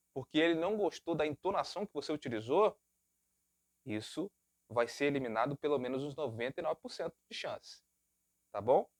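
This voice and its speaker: A man's voice: a little high, no room sound, studio quality. A man with a Brazilian Portuguese accent, a voice-over narrator giving casual advice and acting out bits of client talk. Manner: chatty, acts out client dialogue in quick asides.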